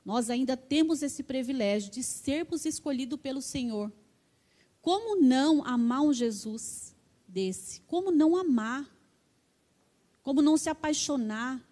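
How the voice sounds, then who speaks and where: In this clip, a middle-aged woman with a Brazilian Portuguese accent preaches a sermon full of fervent personal testimony, often ending her sentences with "né". Her voice sits high and has a dark tone, and she speaks expressively at a measured pace.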